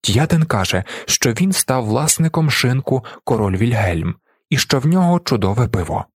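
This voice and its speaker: Husky guy reading a novel out loud, lively ups and downs, dry close sound. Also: medium pitch, moderate pace, no echo. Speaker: audiobook narrator. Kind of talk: literary narration.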